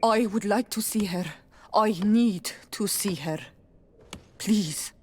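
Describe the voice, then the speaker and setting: A woman's voice: medium pitch, slow, darkish tone, lightly acted. A woman acting a proud, passionate young tribal princess, solemn and direct, in a video game. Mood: pleading.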